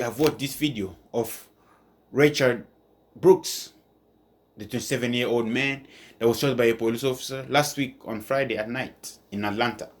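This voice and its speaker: A man hosting an online channel with informal news commentary, restating his points as he goes. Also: mid-range voice.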